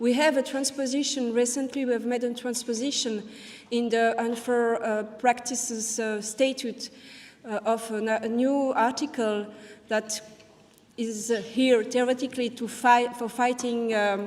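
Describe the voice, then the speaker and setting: In a French accent, a woman talks at a fairly slow pace with a high pitch and monotone, flat intonation over noticeable background noise. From French-speaking Switzerland. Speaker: panel chair at academic conference. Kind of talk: conference panel introduction.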